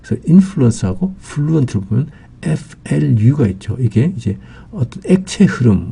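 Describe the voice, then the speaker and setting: A man's voice: medium pitch, vocal fry, dark tone, breathy edge. A man giving an English vocabulary lesson, explaining patiently with many fillers.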